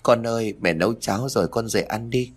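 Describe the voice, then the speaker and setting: A man voicing a gentle, patient old grandmother who speaks softly and humbly. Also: medium pitch, fast talker, slightly rough, natural voice. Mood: pleading. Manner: soft, pleading, humble.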